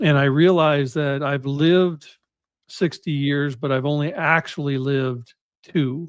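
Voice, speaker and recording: This man has a plain, everyday voice with a fairly high pitch. He talks at a fairly slow pace with fairly even intonation. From US Midwest, Minneapolis and Iowa. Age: 60s. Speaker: guest sharing life story. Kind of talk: testimony.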